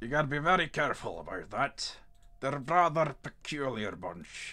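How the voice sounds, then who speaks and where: A man's put-on character voice, fairly high in pitch, at a moderate pace in a very clean recording with a silent background. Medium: actual play. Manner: muttering, swearing.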